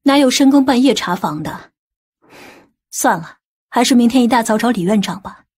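A woman's voice: fairly high pitch, animated, normal speed, a little mellow, breathy edge. A woman playing an inquisitive, sleepless aunt in an audiobook crime novel, with a direct, questioning manner. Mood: impatient.

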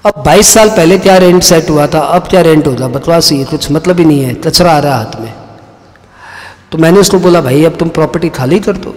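A man lectures on tax in a chatty, storytelling manner. He acts out short dialogues in his examples. His slightly high voice rings with the long reverb of a hall. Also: fairly quick, a little mellow.

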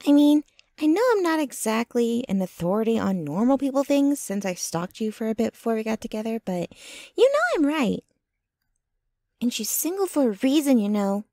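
A woman's voice: on the high side, expressive, moderate pace, warm tone, no echo, clean studio sound. A woman playing a jealous, possessive, doting young girlfriend in an intimate, dramatic ASMR roleplay. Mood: jealous, indignant. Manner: intimate, dramatic, swinging between ranting and breathy murmuring.

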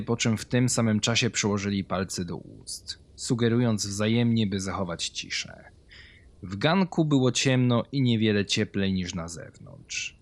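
A man reading a scripted horror story as its narrator. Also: lowish voice.

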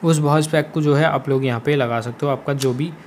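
A man's voice: fairly high pitch, fairly even intonation, brisk, darkish tone. A man with an Indian accent explaining steps in a casual gaming screen tutorial, repeating his instructions as he goes. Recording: faint background noise.

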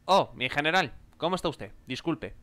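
A man's voice: a little high, expressive, normal speed, bright, forceful tone. A young man with a Spain Spanish accent commenting his gameplay, exclaiming and joking, improvising mock chatter with game characters. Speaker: gameplay video creator.

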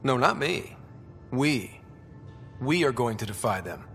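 A man's voice: medium pitch, sing-song, unhurried, vocal fry, a bit bright, faint music behind, heavily acted. An actor playing a resolute young man who leads a space exploration team in a video game, casual and confident. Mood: determined.

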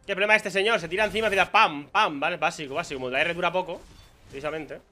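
A young gaming streamer from Spain, speaking with a Spanish accent, narrates his own gameplay live in a high, bright, pushed voice at a racing pace. He mutters to himself and lets out exclamations when something surprises him.

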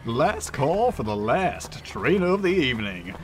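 A man's voice: medium pitch, sing-song, measured pace, faint music behind. A man playing a playful, wry train conductor calling out the last train in an audio drama. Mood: announcing. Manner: drawling, playful announcer calls.

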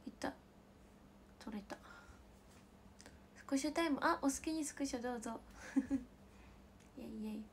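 A woman with a Kansai accent chatting casually with livestream viewers as the host, giggling often and slipping into soft whispered asides. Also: high voice, unhurried, pauses often, slight background noise. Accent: Kansai Japanese.

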